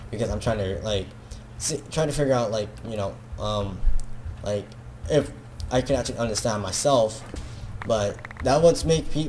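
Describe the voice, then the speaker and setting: A little hiss or hum runs under this medium-pitched, darkish male voice. It belongs to a teenager who makes gaming videos, a young man with a Filipino accent rambling self-consciously and casually, packed with fillers and restarts.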